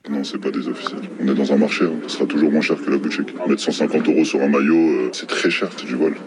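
A man's voice: steady tone, fast, noisy background. A man interviewed in a news report, his voice disguised with a voice changer, speaking casually and frankly. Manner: casual, frank, matter-of-fact. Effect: voice disguised with a voice changer, pitched very low. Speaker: street vendor interviewed. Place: market stall outdoors. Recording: busy market crowd behind.

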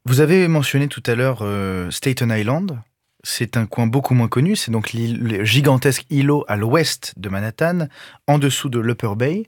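A man's voice: mid-range voice, animated, normal speed, no echo. A man in a mid-range voice hosts a radio program and asks a guest courteous, attentive questions. His sound is dry and close. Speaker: radio host.

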